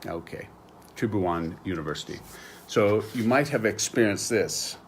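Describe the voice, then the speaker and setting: An American man, middle-aged, teaching a slang lesson with slow, patient explanations and examples. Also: lowish voice, expressive, slight background noise.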